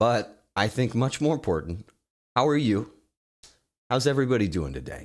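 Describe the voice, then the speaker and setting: A man's animated tone with vocal fry and long, frequent pauses. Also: medium pitch for a man, lively intonation, moderate pace. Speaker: streamer. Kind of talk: casual live stream chat.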